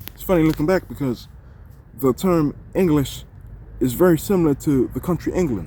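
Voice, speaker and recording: A man is speaking. His pace is fairly quick. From England. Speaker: video creator. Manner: casual, slangy, joking.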